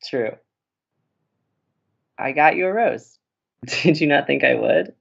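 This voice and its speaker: An actor playing an earnest, smitten young man who co-hosts college radio, speaking in a halting, tender, teasing way in an audio romantic comedy. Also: fairly high pitch, expressive, vocal fry, slightly rough, lo-fi sound, heavily acted. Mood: nervous, tender. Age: young adult.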